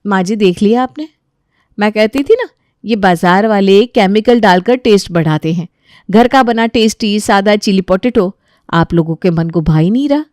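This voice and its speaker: A woman's voice: medium pitch, expressive, moderate pace, darkish tone, no echo, clean studio sound, lightly acted. A woman voicing a clever young mother who coaxes her family in a sugary but firm way. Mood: coaxing. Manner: sugary coaxing with a stern edge. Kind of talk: storybook voice acting.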